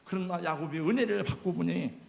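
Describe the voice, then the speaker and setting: A man's voice: high-pitched, fairly quick, creaky, a little hiss or hum. A male pastor preaching an emotional, exhorting sermon in a church. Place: church sanctuary. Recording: echoey church hall.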